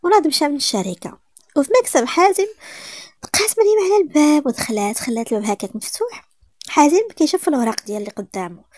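A woman with a Moroccan accent narrating a romance story in a rapid, lively reading. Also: high voice, dry recording, clean studio sound.

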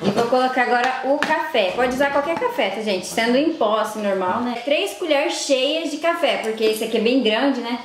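A young adult beauty vlogger chats to her viewers, addressing them directly in a casual tutorial vlog filmed indoors on a camera mic, first in a room and later in a tiled kitchen. Her voice is on the high side and expressive, at a moderate pace with hardly any pauses. The sound is roomy, with background noise.

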